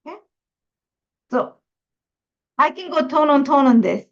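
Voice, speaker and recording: A woman's voice: sits high, expressive, a little slow, vocal fry, lo-fi sound. A middle-aged woman from Ecuador, chatty and thinking aloud as she hosts a live scrapbooking tutorial. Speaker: craft host.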